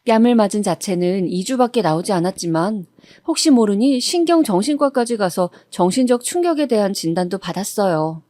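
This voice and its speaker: A woman reading a first-person true-life story in a steady, even storytelling manner, recorded on a close studio mic. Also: mid-range voice, a little fast, dry recording.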